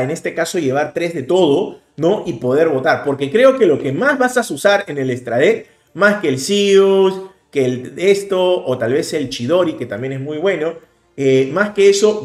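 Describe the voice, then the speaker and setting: A man in his thirties with a Peruvian Spanish accent, commentating a card game replay in a casual, animated way. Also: fairly high pitch, roomy sound. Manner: animated, explaining plays rapidly with bursts of emphasis. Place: indoor room, webcam overlay.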